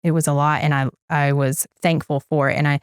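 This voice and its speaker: A woman's voice: low-pitched, little pitch movement, brisk, clean tone, no room sound, studio quality. A young woman, a mother, giving an earnest interview testimonial, often repeating words as she searches for them. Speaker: guest, parent of a toddler.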